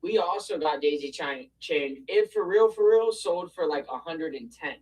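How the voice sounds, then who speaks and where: A man talking as a guest real estate investor on a video call, telling his deal story in an animated way and acting out the quotes. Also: on the high side, moderate pace, distant mic, rough recording.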